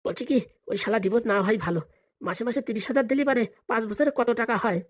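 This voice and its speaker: A woman's voice: fairly high pitch, close to an everyday voice. A woman voicing a scheming, money-hungry village father in a comedy cartoon, scolding and bantering. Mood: scheming, pleased. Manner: rapid, colloquial, bantering scolding.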